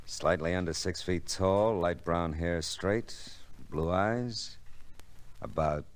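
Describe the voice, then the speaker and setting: An American actor playing a wry, terse private detective in old-time radio drama style. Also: male voice, low voice, slow pace. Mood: cool, needling. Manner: terse, dry, sardonic. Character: hard-boiled, wry private detective, unflappable and needling. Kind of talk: 1940s-50s radio detective acting and narration. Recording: vintage radio drama with music.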